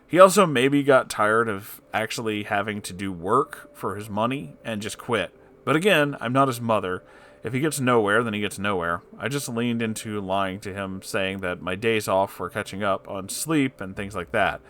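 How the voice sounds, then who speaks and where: A man narrating an online story aloud in a dramatic, expressive way, with candid and sweary interjections. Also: lowish voice, moderate pace.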